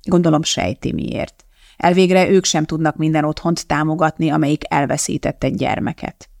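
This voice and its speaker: Castingnote: a reader playing a sly older bishop, smooth and sarcastic, gravelly audiobook voice. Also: male voice, fairly high pitch, a little mellow, no echo, studio quality. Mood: persuasive.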